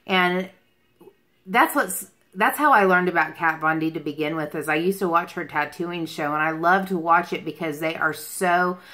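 A woman's voice: lowish voice, sharp tone. A woman in her mid-forties chatting casually on a livestream, rambling from one thought to another as she answers viewers. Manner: rambling, jumps between topics. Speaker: beauty livestream host. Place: small furnished room at home, indoors.

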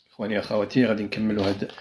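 A man with a Moroccan Arabic accent teaching a live online Italian lesson. He repeats each word several times and drills phrases very slowly, and he is unwell and coughing. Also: fairly low pitch, sharp tone, a little hiss or hum.

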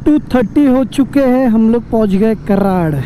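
High-voiced biker over loud road noise. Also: male voice, moderate pace. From western India. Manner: informal, exclamatory, mixes in English words. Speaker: motorcycle travel vlogger. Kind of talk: casual chat to viewers while riding. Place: outdoors on a moving motorcycle.

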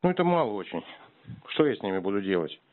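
A man's voice: fairly low pitch, big pitch swings, quick pace. A man in a casual phone chat, talking in a rambling, slangy, provocative manner. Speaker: prank caller answering a telemarketer. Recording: noisy tinny phone line with clicks.

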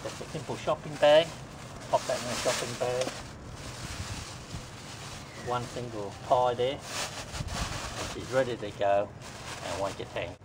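A man's voice: mid-range voice, measured pace, long pauses. A middle-aged man giving a plain step-by-step fishing demonstration while kneeling in a driveway and working with his hands. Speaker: fishing tutorial host. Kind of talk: how-to demonstration. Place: outdoor driveway beside a boat trailer. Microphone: camera mic a few feet away. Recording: distant camera mic with outdoor noise.

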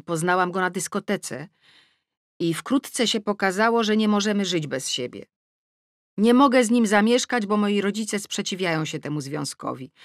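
A woman's voice: mid-range voice, no echo, natural voice. Woman voicing lovestruck young letter writer, naive, earnest, declarative, audiobook, dry close sound.

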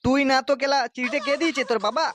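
A man's voice: very high voice, racing, a bit bright, a little hiss or hum. A man voicing an angry, suspicious village husband and father in a comedy cartoon, scolding and crude. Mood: furious.

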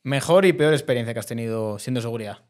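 A man hosting a casual interview, asking quick questions and giving short replies. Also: medium pitch, a little mellow.

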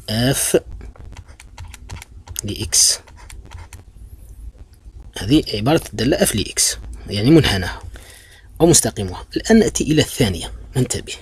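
A man's voice: on the low side, expressive, a little fast, long pauses, a little hiss or hum. A man teaching a math lesson, walking students through a graph step by step. He is patient and repetitive, often calls them "my children", and corrects himself with many fillers. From Algeria. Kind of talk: blackboard-style math lesson.

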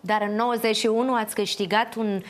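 A woman's voice: medium pitch, fairly even intonation. A woman interviewer asking brief, polite questions.

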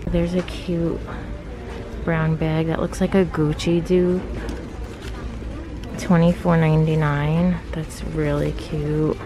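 Low, flat-voiced woman vlogging in a store. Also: takes it slowly, long pauses. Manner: low-key, steady price-listing commentary. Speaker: shopping vlogger. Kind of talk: casual shop-with-me narration. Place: large retail store, indoors. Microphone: handheld phone camera. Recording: store noise in background. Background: store ambience noise.

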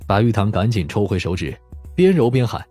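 A male storyteller reads scripted fiction. His pitch moves a lot and his voice has a husky grain. Soft music plays behind him. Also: very animated, a little fast. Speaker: audiobook narrator.

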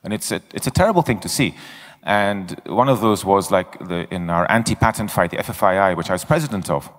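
A man's voice: low voice, animated, brisk, a bit bright. A middle-aged man giving a conference talk on stage with a handheld mic, speaking bluntly and candidly with self-mocking asides. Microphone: handheld microphone. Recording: long hall reverb.

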